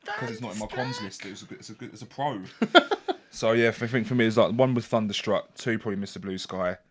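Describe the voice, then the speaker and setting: Deep-voiced guy rambling through movie opinions, bright sharp tone. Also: expressive, fast talker, slightly rough. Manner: rambling, self-correcting, laughs a lot. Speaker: podcast co-host. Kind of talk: casual film review chat.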